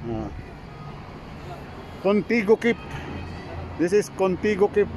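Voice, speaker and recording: A middle-aged man casually vlogging outdoors through a face mask, in halting, repetitive simple phrases. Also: high voice, big pitch swings. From Philippines. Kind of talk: casual selfie vlog narration. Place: outdoors at a food truck park. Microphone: phone at arm's length. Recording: clear outdoor street and traffic noise.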